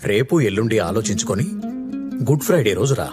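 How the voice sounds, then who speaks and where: An actor playing a calm, measured priest gently advising a young woman in a film scene, with guitar music behind. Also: on the low side, lightly acted.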